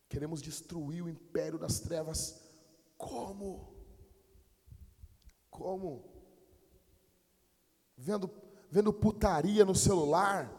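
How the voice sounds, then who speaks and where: A Brazilian pastor with a high, ringing voice preaches in blunt street slang. He drops to a low mutter and then bursts into shouting. His voice carries a long echo through the church hall. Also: breathy edge. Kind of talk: preaching a sermon.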